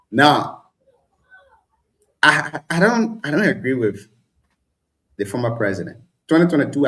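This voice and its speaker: A man on a political talk show, pushing his argument with animated, insistent delivery. His voice sits in an ordinary middle pitch, and he restarts phrases as he builds each point. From Liberia. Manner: animated, argumentative, repeats words when starting a point. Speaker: panelist.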